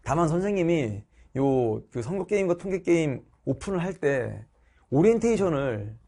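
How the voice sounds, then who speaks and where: This fairly high-pitched, very animated man speaks at normal speed with a dark tone. He's a middle-aged online social studies teacher, recovering from a cold, chatting casually and treating viewers as his students.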